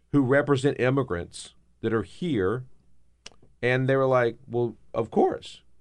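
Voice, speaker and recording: Animated in tone, a man with a Southern US accent speaks at a moderate pace. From US South, South Carolina. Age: 50s. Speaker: fill-in radio host. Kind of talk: casual talk radio chat.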